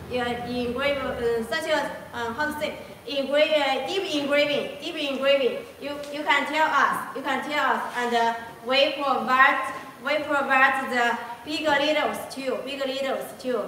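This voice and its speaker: A woman with a Chinese accent projects a raised, high voice at a fairly slow pace, her intonation fairly even. Audible room echo and light background noise come through. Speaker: sales manager. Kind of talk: product demonstration. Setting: live stream. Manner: halting. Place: factory.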